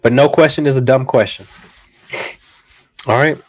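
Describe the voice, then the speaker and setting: A dog trainer hosting a live Q&A stream answers questions bluntly and directly in slangy speech, sounding stuffy from a cold. His voice is medium-pitched with fairly even intonation at a moderate pace.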